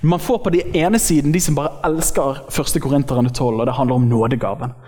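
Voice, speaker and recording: A man preaching an informal sermon in a church hall, joking and slangy, acting out quotes from other people. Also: mid-range voice. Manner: lively, joking, acts out quotes in slangy speech. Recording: long hall reverb.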